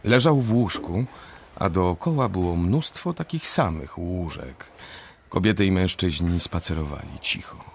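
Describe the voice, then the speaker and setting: Male narrator, fairly low, animated, expressive, radio drama, faint background noise. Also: unhurried, gravelly. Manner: expressive storytelling.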